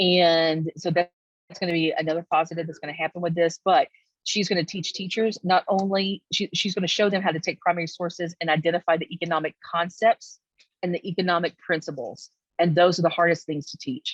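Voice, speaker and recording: A woman's fairly low voice at a fairly quick pace, with a dry, close sound and no echo. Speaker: education consultant presenting to principals. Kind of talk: online presentation to school administrators. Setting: video call from a busy work room. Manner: fast; animated.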